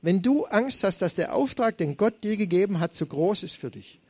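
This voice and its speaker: Male preacher, young adult, lively conversational sermon, slightly high voice, dry close sound. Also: normal speed, slightly rough, dry recording. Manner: conversational, animated, acts out quoted voices.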